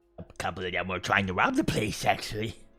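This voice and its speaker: A man puts on a character voice with a very deep, low pitch. He speaks at a very fast pace. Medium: actual play. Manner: gruff, grumbling.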